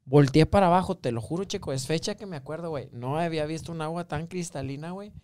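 A man's voice: a little high, fast talker, a little mellow. A man casually telling drug anecdotes to friends, full of slang and laughter, acting out the people in them. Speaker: podcast host. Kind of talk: casual storytelling among friends.

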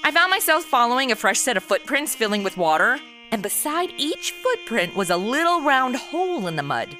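Bright, animated, sarcastic young American woman. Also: fairly high pitch, fairly quick, soft background music. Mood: wry. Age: young adult. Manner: sarcastic, slangy, exasperated. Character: sarcastic modern twenty-something woman zapped into old radio noir. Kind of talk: comedic audio drama, first-person narration and dialogue.

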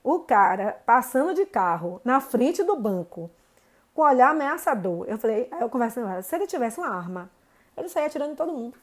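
A woman, telling a personal story to viewers in an indignant, animated way. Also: fairly high pitch, a little fast. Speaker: vlogger.

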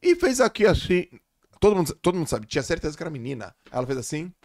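A man in his forties hosting a podcast, telling a story in an animated way with bursts of loud laughter. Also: on the high side, quick pace, no room sound, clean studio sound. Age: 40s. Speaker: podcast host. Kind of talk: casual chat.

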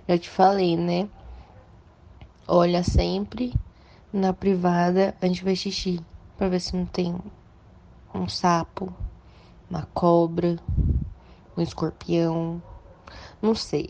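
A woman's voice: lowish voice, steady tone, takes it slowly, long pauses, warm tone. A woman with a Brazilian accent giving playful, mock-serious advice to a friend in a casual chat. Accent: Brazilian Portuguese. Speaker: podcast co-host.

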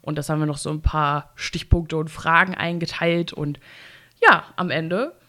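A woman's voice: low-pitched, fairly even intonation, normal speed, pushed and bright. A woman hosting a podcast, chatting loosely and laughing, her voice slightly congested from a cold. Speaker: podcast host. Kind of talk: casual podcast chat.

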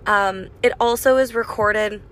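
A raspy young woman hosting a casual solo podcast, chatty and swearing freely, recorded on a phone mic in her car. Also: mid-range voice, steady tone, a little slow, fairly bright tone. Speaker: podcast host. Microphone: phone microphone.

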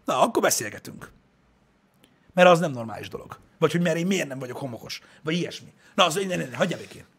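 A man's voice: fairly high pitch, lively intonation, a bit bright, slightly rough. A man in a casual chat, talking bluntly and profanely in heated rants.

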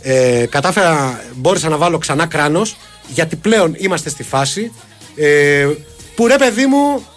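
High-voiced man joking on a show. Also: expressive, soft background music. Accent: Greek. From Greece. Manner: playful, teasing, mock-serious. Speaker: co-host. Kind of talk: comedic banter.

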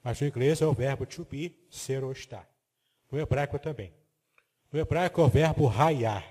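A man teaching the Bible in a didactic way, his voice dark and husky. He explains each term step by step and checks that the listener follows. The sound carries a long reverb, as if recorded in a large hall. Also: mid-range voice, normal speed. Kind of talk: biblical teaching lecture with slides.

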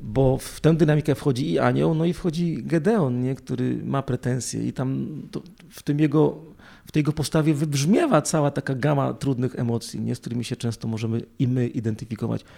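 A man's voice: mid-range voice, fairly quick, vocal fry. A man in casual religious discussion, talking thoughtfully and ending most phrases with a tag question. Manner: animated retelling with acted quotes.

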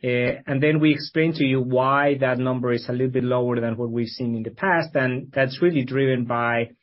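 Man, medium pitch, company executive, explanatory corporate answer, slightly dull video call sound. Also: fairly even intonation, normal speed.

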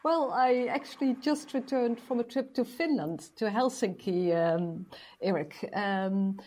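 A woman from the Netherlands speaking as an interview guest, polite and hesitant with many pauses. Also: a little high, darkish tone. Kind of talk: interview answers.

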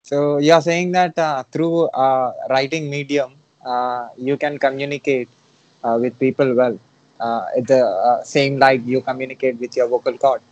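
A man interviewing an author, pausing often with fillers between words. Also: medium pitch, steady tone, dull audio. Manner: hesitant, many fillers.

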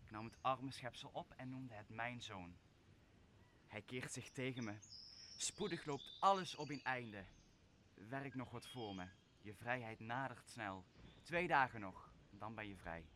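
A young man playing a wronged, commanding exiled sorcerer in a Dutch radio play, speaking solemnly and deliberately. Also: mid-range voice, animated, pushed and bright, slight background noise. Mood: commanding, brooding. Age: young adult. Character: wronged exiled sorcerer master, brooding and commanding, father figure. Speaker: drama student actor.

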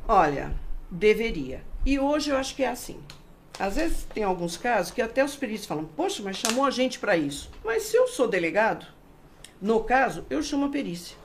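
Middle-aged Brazilian woman, forensic expert guest; lively, gravelly delivery. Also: a little high, moderate pace, slight background noise. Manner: animated, explanatory, acts out quoted speech. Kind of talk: casual interview talk.

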